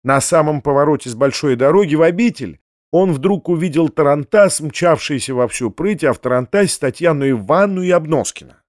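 A man reading a classic novel aloud in steady, expressive scripted narration. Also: a little high, fairly quick, dry recording, studio quality. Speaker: audiobook narrator.

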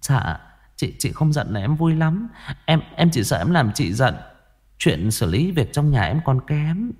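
A man's voice: a little high, very animated, a little slow, a little mellow, voice pushed up. A man voicing a fawning woman, the household's second wife, who speaks sweetly and hesitantly. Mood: ingratiating.

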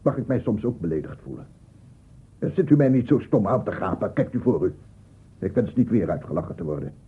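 An actor playing a tormented, easily offended old man in a radio drama, brooding and halting in his speech. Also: lowish voice, sing-song, breathy edge, full character voice. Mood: indignant, wounded. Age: older. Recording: dull, noisy old radio play recording.

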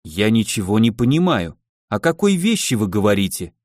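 A man's voice: on the low side, sing-song, normal speed, a little mellow, no room sound, clean studio sound, pitched below the performer's own voice. A man reading the part of a dazed, hungover office worker, puzzled and caught off guard. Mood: bewildered. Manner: puzzled, taken aback.

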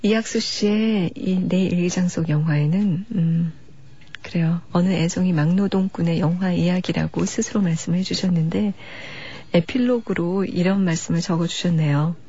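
A woman hosts a late-night radio music program in a soft, unhurried way, reading listener letters gently. Her voice sits low and mellow with a husky edge. The sound is a dull, lo-fi broadcast archive recording. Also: steady tone.

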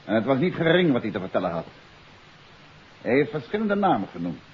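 An actor playing a shrewd, authoritative detective in a 1950s radio drama, speaking in a probing, deliberate way. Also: male voice, mid-range voice, very animated, lightly acted. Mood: stern, pressing. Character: shrewd, authoritative male amateur detective confronting a suspect. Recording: muffled 1950s radio recording with hiss.

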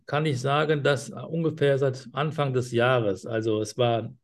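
A man's voice: mid-range voice, steady tone, measured pace, natural voice. A man playing a seventy-year-old male patient who describes his breathlessness hesitantly and at length, with many fillers. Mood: explaining. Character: elderly male patient, short of breath, chatty. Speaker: role-play patient in a medical exam practice. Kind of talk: simulated doctor-patient interview.

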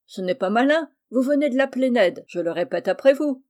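A woman reading the part of a frank, sharp-witted servant woman who speaks briskly and dryly. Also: a little high, lively intonation, pitched above the performer's own voice, lightly acted.

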